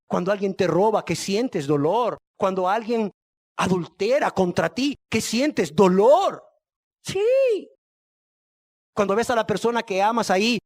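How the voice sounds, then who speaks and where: A man's voice: on the high side, darkish tone, no room sound. A man preaching a sermon as pastor, emphatic, firing questions at the listeners and answering them himself, repeating key words.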